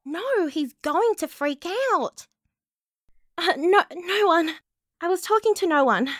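A woman's voice: very high voice, expressive, slow, a bit bright, no room sound, clean studio sound, voice pushed up, full character voice. A woman playing a nervous young woman on an awkward date in a comedic audio roleplay, stammering and apologetic. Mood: panicked, awkward.

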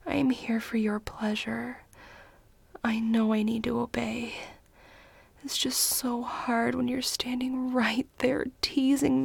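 A young woman whispering and pleading softly into a close microphone in an adult audio roleplay. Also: a little high, dry recording. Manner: mostly whispered, pleading and breathy.

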